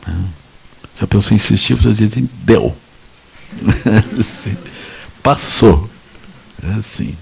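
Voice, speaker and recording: A man with a Brazilian Portuguese accent giving a relaxed, joking Buddhist talk to an audience, often repeating little tag phrases. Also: lowish voice, slow, vocal fry, long pauses. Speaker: Buddhist teacher. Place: lecture at a meditation center.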